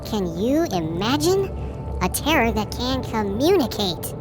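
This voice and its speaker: A woman playing an excitable, awestruck space explorer in an audio drama, speaking with eager wonder. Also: on the high side, unhurried, over music. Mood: excited. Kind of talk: audio fiction acting.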